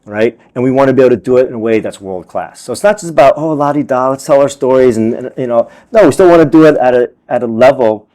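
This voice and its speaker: A Vietnamese-born man raised in America, a film director and teacher, answering interview questions in an earnest, animated way with many repeated words. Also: medium pitch. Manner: earnest, animated, repeats words and says "you know" often.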